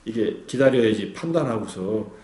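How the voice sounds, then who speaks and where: A man's voice: fairly low pitch, animated, normal speed, a little mellow. A man as a Buddhist meditation teacher giving a dharma talk, explaining patiently and asking listeners rhetorical questions. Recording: roomy echo.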